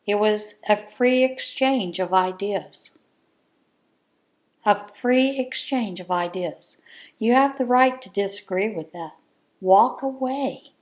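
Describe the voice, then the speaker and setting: A woman talking slowly and deliberately in a casual chat, as a crafting channel host speaking from home. Her voice sits at an ordinary middle pitch, and she comes across as earnest and heartfelt.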